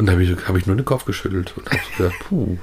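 Noticeable background noise behind a man with a very deep, low pitch at a moderate pace. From northern Germany, Bremerhaven. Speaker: business owner. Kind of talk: interview.

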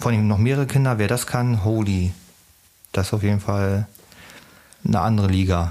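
A dark, mellow tone at a fairly quick pace, with fairly even intonation, very even loudness, and long, frequent pauses. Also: man, fairly low pitch for a man. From Berlin. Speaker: podcast co-host, father. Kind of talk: casual chat.

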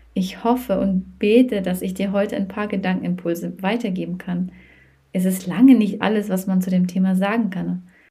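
A woman's somewhat breathy voice at medium pitch, moderate pace and fairly even intonation. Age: 30s. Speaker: podcast host, mother.

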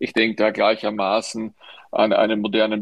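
The recording is dry and close, without any echo. A man does the talking. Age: 50s. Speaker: bank executive. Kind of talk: interview. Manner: hesitant with frequent fillers.

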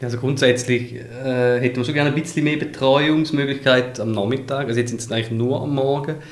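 With hardly any pauses, a man talks at a fairly quick pace in a medium pitch and monotone, flat intonation, amid noticeable background noise and audible room echo. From Romanshorn, Swiss Lake Constance. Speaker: youth worker, father. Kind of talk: interview. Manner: halting, many hesitations.

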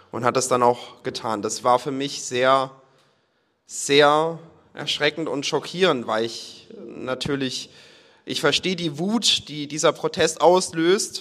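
A fairly high-pitched man at a very slow pace on a very clean recording with a silent background. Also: ordinary pitch variation. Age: 20s. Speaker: climate activist and press spokesman. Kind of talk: panel discussion.

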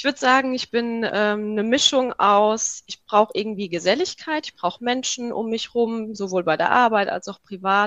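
A woman speaks with an unremarkable speaking voice, fairly high in pitch, at a moderate pace. She takes hardly any pauses, and the sound is dry and close with no echo. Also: ordinary pitch variation. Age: 30s. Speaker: mother, program participant. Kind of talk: interview.

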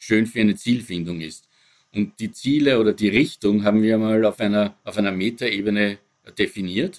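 A man's normal speaking voice, a normal speaking voice pitched fairly low, at a moderate pace with fairly even intonation. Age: 60s. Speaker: bank executive. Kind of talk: interview.

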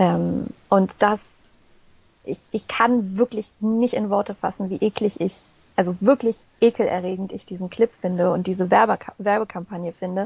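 A somewhat breathy woman's voice of medium pitch, fairly slow, with fairly even intonation and a dry, close sound free of echo. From northern Germany, Hamburg. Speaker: journalist. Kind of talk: interview.

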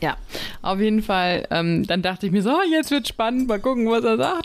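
Very wide pitch swings run through fairly quick speech. Noticeable background noise is in the mix. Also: woman. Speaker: podcast co-host. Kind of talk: casual chat.

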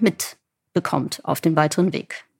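In a plain, everyday voice, a woman speaks at a fairly slow pace with ordinary pitch variation, the recording very clean with a silent background and the sound dry and close with no echo. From Germany. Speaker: entrepreneur. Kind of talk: interview.

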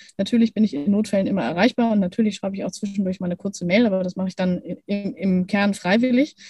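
A woman talks at a very fast pace in a medium pitch. Her tone is dark and mellow, and somewhat breathy. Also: ordinary pitch variation, hardly any pauses. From northern Germany, Lüneburg Heath. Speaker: magazine publishing executive. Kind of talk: interview. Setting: video call.

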